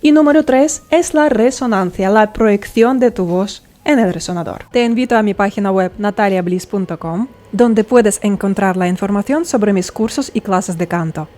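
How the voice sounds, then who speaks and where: A woman's voice: medium pitch, mellow. A woman singing teacher explaining vocal technique step by step and checking in with the listener.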